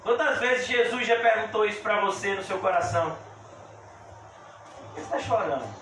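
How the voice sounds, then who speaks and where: A male pastor delivers a sermon in a high, bright voice, dropping to soft asides and rising to fervent exclamations. He is heard from a distance in a very echoey church hall with a faint hiss behind him. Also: expressive, normal speed. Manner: swings between soft intimate asides and loud fervent exclamations.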